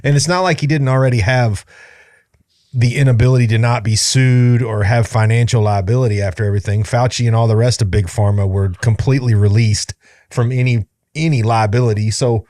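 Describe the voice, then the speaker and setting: Podcast co-host, male, mid-pitched, blunt and emphatic, dry close recording. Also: steady tone, a little fast, a little mellow, no echo. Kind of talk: casual political chat.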